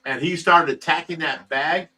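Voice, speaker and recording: A man in his sixties with a bright, forceful voice, chatting on a livestream. He reads comments aloud and tells loose, profane stories. His voice is picked up from a distance. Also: a little high, fairly even intonation, moderate pace. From Ohio, USA. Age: 60s. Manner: rambling storyteller, swears freely and laughs often. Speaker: fish rescue host. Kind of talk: casual livestream chat reading viewer comments.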